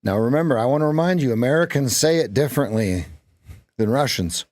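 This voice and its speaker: A man's voice: medium pitch, lively intonation, a little fast, darkish tone, no echo, studio quality. A man hosting a live day-trading stream, chatting with viewers and repeating phrases as he watches the market.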